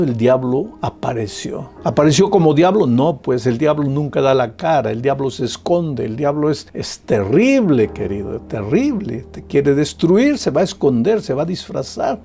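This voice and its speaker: An older man, a retired pastor, preaching an emphatic sermon and speaking warmly to the listener. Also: mid-range voice. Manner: emphatic, addresses listener as "querido".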